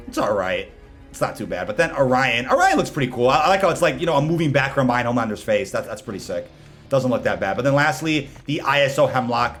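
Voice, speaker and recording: A man's voice: medium pitch, a bit bright. A man hosting a gaming video with casual, slangy gameplay commentary. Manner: slangy, informal.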